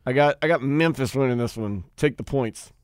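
A man's voice: mid-range voice, moderate pace, a little mellow, clean tone, no room sound, clean studio sound. A man hosting a sports radio show, chatting and joking about betting with a laid-back manner. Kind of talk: casual sports radio banter. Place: radio studio. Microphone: studio mic.

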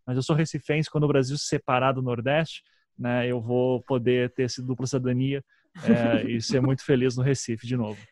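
A man's voice: mid-range voice, little pitch movement, a little mellow, dry recording. Man with a southern Brazilian accent, dry recording. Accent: southern Brazilian, from Paraná. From Curitiba, southern Brazil. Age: 30s. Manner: halting, self-interrupting, frequent "né" tags. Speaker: podcast guest, storytelling podcaster. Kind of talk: conversational interview, reflective storytelling.

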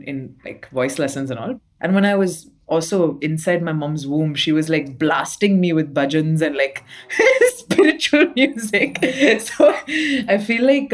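A young woman from Dubai, a singer-songwriter guest, chatting casually in an interview with lots of fillers and laughter. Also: on the low side.

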